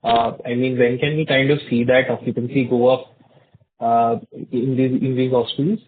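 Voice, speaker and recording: A man's voice: mid-range voice, little pitch movement, moderate pace. A man politely and somewhat hesitantly asking questions as an analyst on a conference call. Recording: narrow phone line, faint noise.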